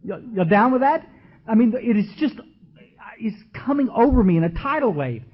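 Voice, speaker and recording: A man's voice: very high-pitched, big pitch swings, moderate pace. A man, giving an emotional recovery talk from a podium and speaking straight to the crowd in a folksy way. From Texas. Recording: dull lo-fi archival tape.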